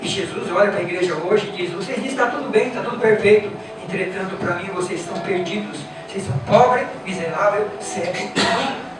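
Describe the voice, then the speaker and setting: A man with a Brazilian Portuguese accent preaches in an emphatic, repetitive way, firing rhetorical questions at his congregation. His voice is heard from a distance with heavy echo, and music plays clearly behind him. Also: high-pitched, fairly quick. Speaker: pastor. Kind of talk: sermon. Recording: echoey church from afar with music.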